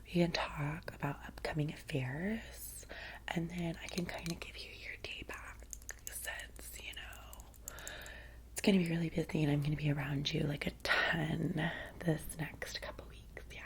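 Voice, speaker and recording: Whispering Valley girl woman, low-pitched. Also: steady tone, a little slow. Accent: Valley girl American. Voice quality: soft, breathy whisper. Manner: casual, chatty Valley girl phrasing with many "like"s. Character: vampire's chatty, soothing young female personal assistant. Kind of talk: ASMR roleplay, soft-spoken personal attention.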